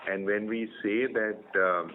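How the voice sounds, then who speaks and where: A man with an Indian accent, a company executive explaining results in a measured way on an earnings call. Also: on the low side, fairly even intonation. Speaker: company executive answering analysts. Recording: narrow phone line with faint noise.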